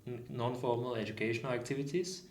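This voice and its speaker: A man's voice: mid-range voice, fairly even intonation, fast, slight background noise. A man of twenty, a volunteer guest on a podcast, rambling with many fillers. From Denmark. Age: 20s. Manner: rambling with "uh" and "like", restarts. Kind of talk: casual podcast chat. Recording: echoey room.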